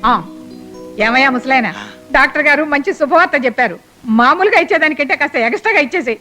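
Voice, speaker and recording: An actress playing a fiery, sharp-tongued old grandmother who scolds and mocks in rapid bursts. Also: high-pitched, expressive, faint music behind. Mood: anxious. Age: older. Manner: scolding, mocking, rapid-fire insults. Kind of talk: film comedy acting.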